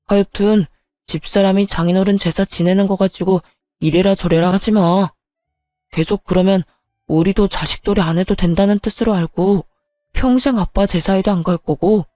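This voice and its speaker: A woman's voice: medium pitch, mellow, no echo, studio quality, natural voice. A woman voicing a husband who talks firmly and bluntly in defense of his wife. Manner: firm, blunt talk.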